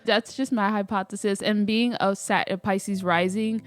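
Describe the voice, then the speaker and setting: A woman's voice: medium pitch, steady tone, moderate pace, no room sound, faint music behind. A woman vlogging casually while doing her hair, a little stuffy and nasal from a cold, rambling with lots of fillers and restarts. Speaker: spiritual vlogger. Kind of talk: casual chat to camera.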